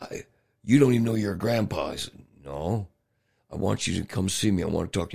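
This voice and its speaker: This man has a fairly low pitch and a dark, mellow tone, moving at a fairly quick pace with ordinary pitch variation, big swings in loudness, and long, frequent pauses. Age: 60s. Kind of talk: testimony.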